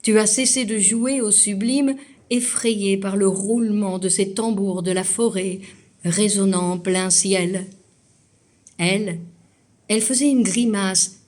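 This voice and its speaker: Female poetry reader, mid pitch, very unhurried, deliberate phrasing, literary and dramatic delivery. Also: darkish tone. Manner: measured, deliberate phrasing with pauses.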